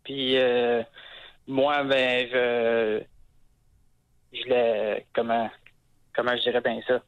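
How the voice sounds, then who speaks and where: A man's voice: mid-range voice, little pitch movement, slow pace, smooth. Young quebec guy calling in, lots of euhs and restarts, muffled phone sound. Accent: Quebec French. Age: 20s. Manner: hesitant, many fillers and restarts. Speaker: caller. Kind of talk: phone-in call on a talk show.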